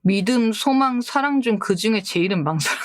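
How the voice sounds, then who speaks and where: A woman's voice: medium pitch, expressive, a little fast, no room sound, studio quality. A woman VTuber who streams about books, chatting casually and politely with a giggly manner as she reads out viewer posts. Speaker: book-themed VTuber streamer. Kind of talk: casual livestream chat, reading viewer posts.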